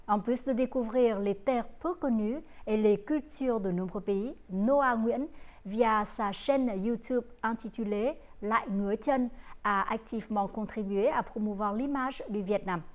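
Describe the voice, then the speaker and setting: A woman presenting a segment intro in a smooth, even news delivery. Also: medium pitch, a little slow.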